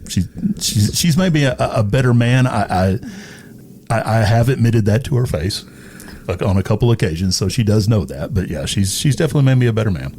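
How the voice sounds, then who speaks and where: A man in his fifties from East Texas chatting casually as a guest, often doubling back on his words in a halting way. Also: fairly low pitch, lively intonation, darkish tone, breathy edge. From East Texas, United States. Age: 50s. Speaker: podcast guest, radio personality. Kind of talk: casual personal chat.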